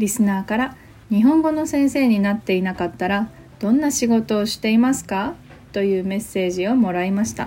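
Somewhat breathy, a woman with a fairly high pitch and a dark, mellow tone speaks with ordinary pitch variation. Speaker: Japanese teacher podcaster. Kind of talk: language lesson podcast. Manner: slow, clear for learners.

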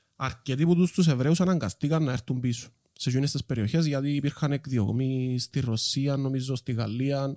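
A man with a Cypriot accent has a dark, mellow tone at a medium pitch with ordinary variation, in a very clean, dry, close recording with no echo and a silent background. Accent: Cypriot Greek. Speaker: podcast co-host. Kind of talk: casual discussion, historical overview.

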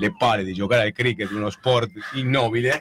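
A man's animated tone at a fairly quick pace, with noticeable background noise. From Argentina. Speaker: radio co-host. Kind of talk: casual chat. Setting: radio studio.

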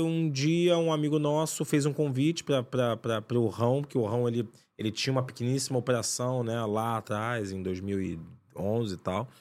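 This man speaks at a medium pitch and a moderate pace with lively intonation. The recording is very clean, with a silent background. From Brazil, Rio de Janeiro. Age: 30s. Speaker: business executive. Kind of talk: casual chat. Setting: studio.

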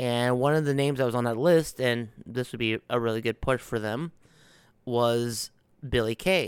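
The man speaks at a moderate pace and a medium pitch, with ordinary pitch variation. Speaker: co-host. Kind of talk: casual chat. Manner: rambling, talks at length.

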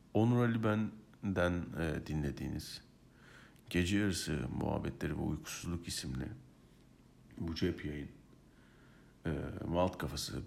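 A man's very deep, low voice with vocal fry and lively intonation, in audible room echo. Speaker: podcast host. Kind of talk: casual chat. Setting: at home. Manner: animated.

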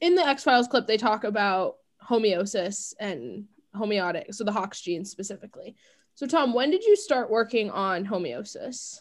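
A woman talks in an unremarkable speaking voice at a fairly high pitch. Her pace is moderate and her intonation lively. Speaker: podcast host. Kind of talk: casual interview chat.

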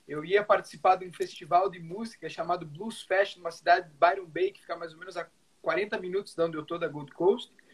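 A man with a high voice speaks at a fairly quick clip, his intonation fairly even while his loudness swings widely. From Curitiba, southern Brazil. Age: 30s. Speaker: tourism professional. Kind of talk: interview.

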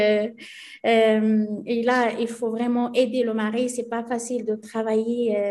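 In a Moroccan accent, a woman speaks at a fairly high pitch with a dark, mellow tone. Her delivery is very slow, with monotone, flat intonation. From Morocco, Safi region. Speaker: caterer. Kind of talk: interview. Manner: halting.

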